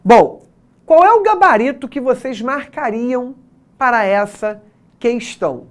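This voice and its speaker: A woman's voice: a little high, expressive, measured pace. A woman with a Brazilian Portuguese accent teaching an exam prep lesson, explaining step by step and checking in with her students.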